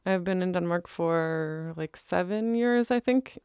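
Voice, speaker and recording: A woman from the United States, a podcast co-host, speaking softly and casually. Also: on the low side, a little slow, smooth, no room sound.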